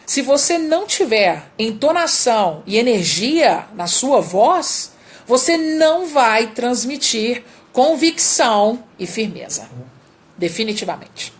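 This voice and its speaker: Female speaking coach, Brazilian accent, high voice, emphatic and repetitive for stress. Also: sing-song, slow. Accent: Brazilian Portuguese. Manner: emphatic, repeats key words, demonstrates vocal exercises. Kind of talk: live-streamed speaking lesson.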